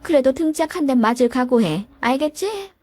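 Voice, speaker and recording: A woman's voice: sits high, expressive, normal speed, darkish tone, no echo. A woman voicing a domineering older mother-in-law who nags and threatens in a storybook tale. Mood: lecturing.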